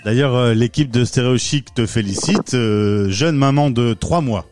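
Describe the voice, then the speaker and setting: Un homme qui anime un podcast et interroge son invitée sur un ton enjoué et taquin, avec un français. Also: male voice, mid-range voice, moderate pace, a little mellow, no echo. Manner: playful, teasing. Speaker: podcast host.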